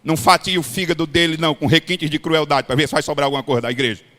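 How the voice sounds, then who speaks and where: A pastor from Ceará with a Cearense Brazilian accent, preaching a blunt, folksy sermon to other pastors. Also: male voice, on the high side, steady tone, very fast, bright, forceful tone. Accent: Cearense Brazilian Portuguese. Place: large hall at a pastors' retreat. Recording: long hall reverb.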